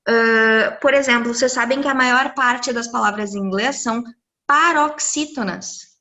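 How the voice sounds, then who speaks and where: A lively, encouraging English teacher explains pronunciation rules to students during a live online class. She speaks in a fairly high voice at an unhurried pace, picked up by a computer mic on a video call.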